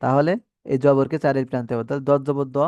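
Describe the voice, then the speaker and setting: A man's voice: medium pitch, level tone, fast, a little mellow, clean tone, dry recording, highs cut off. A man teaching a Quran reading class, patiently spelling out letters and vowel marks and stretching the syllables as he has the students repeat. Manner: asks the class questions and has them repeat. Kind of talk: Quran recitation lesson.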